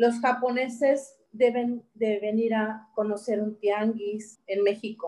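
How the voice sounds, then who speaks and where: A woman with a fairly high pitch and a dark, mellow tone talks very slowly in a flat monotone, with hardly any pauses. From Mexico, Cancún, Quintana Roo. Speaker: chef and culinary consultant. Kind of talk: interview. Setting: remote call from Acapulco.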